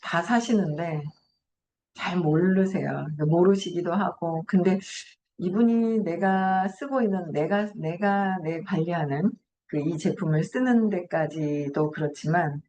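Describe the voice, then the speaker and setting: Lower-pitched middle-aged woman musing chattily. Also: a little slow, dark tone, highs cut off. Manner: chatty, musing, laughs often, asks herself questions. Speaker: host. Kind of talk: reading aloud and reflective commentary.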